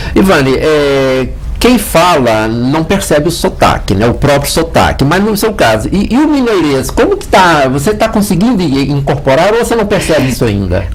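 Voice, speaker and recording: A woman's very deep, low voice with very wide pitch swings, a moderate pace and hardly any pauses, music in the background and audible room echo. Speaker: TV talk show host. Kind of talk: TV interview.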